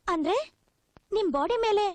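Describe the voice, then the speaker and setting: A woman's voice: extremely high pitch, moderate pace, no echo. An actress playing an orphaned young woman who pleads for shelter and teases the men of the house, in film dialogue. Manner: pleading, teasing.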